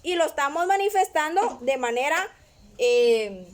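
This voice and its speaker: A woman teaches a grammar lesson in a patient, measured way. Her voice sits high, and she talks slowly, pausing often to check that her students follow along. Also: lively intonation. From Guatemala. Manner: patient, repeats "¿verdad?" often. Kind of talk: classroom lesson explanation.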